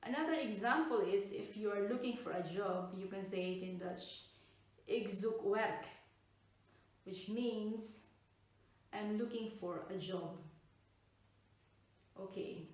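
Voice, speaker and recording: A woman teaching a slow, careful beginner language lesson, saying each phrase and then its meaning. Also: medium pitch, darkish tone, far from the mic. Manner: slow, careful, repeats phrases with English translations. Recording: very echoey room, off-mic.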